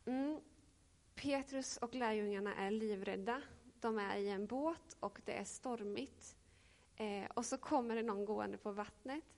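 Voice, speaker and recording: A woman in her thirties giving a reflective sermon and reading scripture, pausing often with hesitations. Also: a little high, a little mellow. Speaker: preacher.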